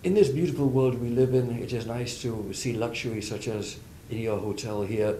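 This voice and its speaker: A man's voice: medium pitch, moderate pace, warm tone, slight background noise. A man hosting a TV interview show, asking questions in a formal, polite way, addressing his guest as sir.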